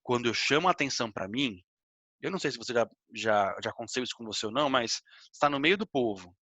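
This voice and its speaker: Bright-voiced man teaching public speaking. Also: mid-range voice, animated, fast, no room sound. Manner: explanatory, asks rhetorical questions, often ends with "tá?". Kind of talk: recorded online lesson. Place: own filming spot, recording videos.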